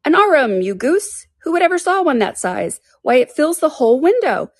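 A woman's voice: a little high, animated, normal speed, dry recording, clean studio sound, voice pushed up. A woman voicing an angry, bossy male rabbit master from a storybook, with an imperious, scolding manner. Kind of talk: storybook character voice.

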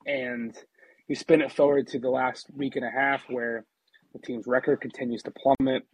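A man with a slightly husky, mid-pitched voice hosts a casual sports podcast. He talks in a chatty way and often restarts his sentences. The sound is dry and close to the mic. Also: flat delivery, moderate pace, no echo, low-quality recording. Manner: chatty, many restarts, eating a sandwich while talking. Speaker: podcast host and NBA reporter.

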